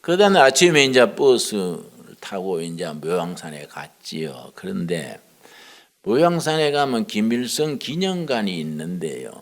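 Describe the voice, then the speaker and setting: A man's voice: on the low side, big pitch swings, a little slow. An older man, a pastor preaching a sermon in a folksy, colloquial storytelling way.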